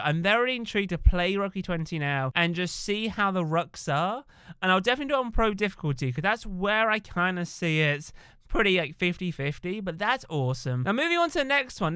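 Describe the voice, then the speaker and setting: A man's voice: sits high, pushed and bright, smooth, no echo. A young man chatting upbeat to his viewers as a gaming YouTuber, addressing them casually as guys. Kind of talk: casual video-game news talk.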